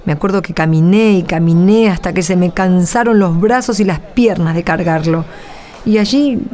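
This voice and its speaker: A woman's voice: lowish voice, normal speed, dark tone, close to an everyday voice. A woman playing a worried, weary young mother in a radio drama, speaking hesitantly with an Argentine accent. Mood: troubled, weary. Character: Jimena, worried poor young mother, humble, weary, grateful.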